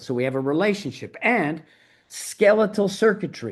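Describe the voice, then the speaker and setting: Over a quiet background, a man with a New Jersey accent talks in a high pitch and an animated tone. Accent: New Jersey American. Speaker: movement coach. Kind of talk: podcast interview.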